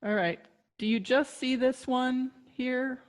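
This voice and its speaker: Slow-talking woman teaching saxophone online. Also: high-pitched. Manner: relaxed explaining with fillers and restarts. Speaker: saxophone instructor. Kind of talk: online music lesson. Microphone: video call.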